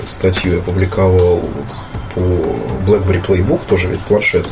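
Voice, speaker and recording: A man's voice: low-pitched, moderate pace. A man hosting a casual tech interview, chatting informally as a journalist. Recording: music clearly behind the voice. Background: background music.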